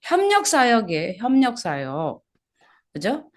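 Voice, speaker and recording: A woman's voice: on the high side, wildly swooping pitch, measured pace. A woman pastor preaching an expository sermon at a small church service, asking the congregation questions and repeating key words.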